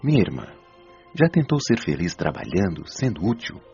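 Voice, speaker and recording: A patient, didactic spirit counsellor in a Brazilian radio drama, acted by a man. His voice is deep and animated, gently admonishing as he teaches. Music plays under the slightly dull recording. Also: normal speed, creaky, breathy edge, exaggerated voice. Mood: patient, firm. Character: patient, wise male spirit doctor counselling souls. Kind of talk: Brazilian audio drama acting. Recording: dull lo-fi audio, music behind.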